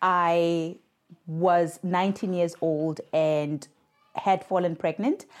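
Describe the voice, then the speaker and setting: A woman's medium-pitched voice moves at a very slow pace. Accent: South African. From South Africa, Cape Town township. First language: a South African language, not English. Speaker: HIV peer mentor and charity communications worker. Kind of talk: interview, personal testimony. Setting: remote call.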